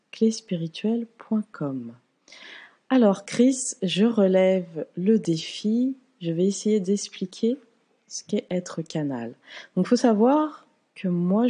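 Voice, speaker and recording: Woman, 40s, spiritual author; unhurried, reflective delivery, mellow low-ish voice. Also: husky. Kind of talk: explanatory talk to camera.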